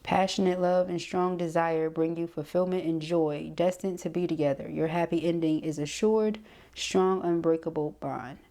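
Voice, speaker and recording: Female tarot reader, lowish mellow voice, conversational delivery with frequent check-ins. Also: steady tone, normal speed. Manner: conversational, punctuated with frequent check-in tags like okay and right. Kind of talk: casual intuitive tarot reading to camera.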